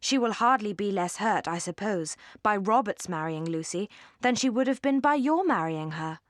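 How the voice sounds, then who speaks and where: A woman playing a restrained young Regency gentlewoman in an audiobook, speaking carefully and politely. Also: mid-range voice, lively intonation, moderate pace, dry recording, close to an everyday voice. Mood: composed, wry.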